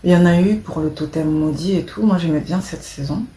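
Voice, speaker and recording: A woman chatting casually to camera, rambling and hesitant, often trailing off softly. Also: on the low side, brisk, reverberant. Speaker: vlogger.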